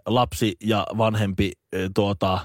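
A Finnish man co-hosting a podcast, chatting in an animated, rambling way with many restarts. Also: lowish voice, no echo, studio quality. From Finland. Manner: animated, rambling, with false starts. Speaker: podcast co-host. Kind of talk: casual chat.

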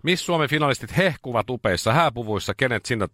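A man's voice: no echo, studio quality. A man hosting a radio show, telling stories in casual chat. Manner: animated storytelling, jumps into high voices when quoting.

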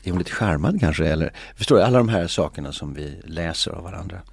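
Low gravelly middle-aged guy thinking out loud in an interview, lots of ums, dry close sound. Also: animated, dry recording. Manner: hesitant, many filler sounds; musing, philosophical. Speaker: interview guest. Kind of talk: reflective conversation.

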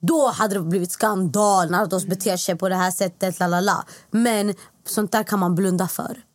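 Animated woman. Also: mid-range voice, dry recording, clean studio sound. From Stockholm, Sweden. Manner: animated, acts out quoted lines, drops English phrases. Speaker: guest, former reality show contestant. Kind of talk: casual chat.

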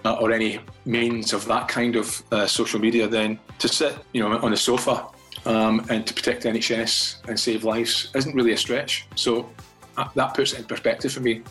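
A man's voice: mid-range voice, little pitch movement, moderate pace, fairly bright tone, soft background music, rough recording. An older Scottish man, a guest from a fathers' charity, chatting in a radio interview and often repeating words as he restarts his thoughts.

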